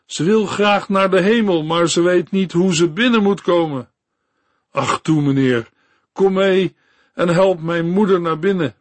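A man's voice: high-pitched, unhurried, dry recording, pitched above the performer's own voice. A man voicing a poorly dressed young girl who urgently begs a minister to come with her. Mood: pleading. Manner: begging, urgent. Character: poor pleading young girl.

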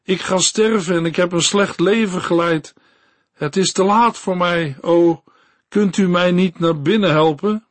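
A man's voice: high voice, measured pace, no echo, pitched above the performer's own voice. A man voicing a poor dying woman who desperately asks how to get into heaven. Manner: desperate, crying out.

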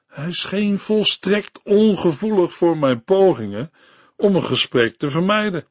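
A man reading a devotional story and sermon for a radio Bible program, in a slow, earnest storytelling manner. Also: high voice, lively intonation, dry recording.

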